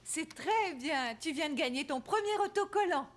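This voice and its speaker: A woman voicing a patient, encouraging mother in a children's cartoon, speaking gently to a small child. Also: high voice, animated, normal speed. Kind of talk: children's cartoon dub acting.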